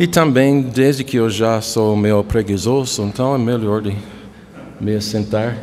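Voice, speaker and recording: A man with fairly even intonation, audible room echo and music in the background. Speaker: theology professor. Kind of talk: lecture. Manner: halting, many fillers.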